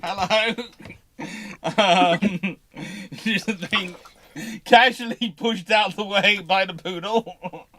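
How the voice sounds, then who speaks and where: A man with a fairly high, very bright and forceful voice hosts a casual live chat. He rambles along, often doubling back to restart his sentences. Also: drawn-out words, pauses often, slight background noise. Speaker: host of a live naval history question show.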